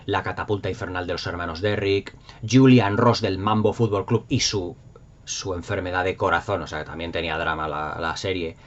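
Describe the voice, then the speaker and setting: A man's voice: sits low, steady tone, moderate pace. A middle-aged man with an accent from Spain, chatting casually and nostalgically to viewers in an enthusiastic, rambling, emphatic way. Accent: Spanish from Spain. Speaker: YouTube host. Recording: dull lo-fi sound.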